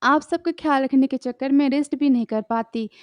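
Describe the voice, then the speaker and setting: A woman's voice: high voice, brisk, a little mellow, no room sound. A woman narrating a recap of a drama series, retelling scenes in a plain, flowing way.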